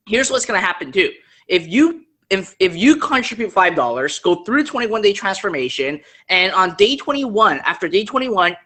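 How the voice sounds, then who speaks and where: Bright-voiced man pitching earnestly. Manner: earnest, persuasive, keeps checking in with "okay?"; speaks English as a second language. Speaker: host. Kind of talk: live online business Q&A pitch.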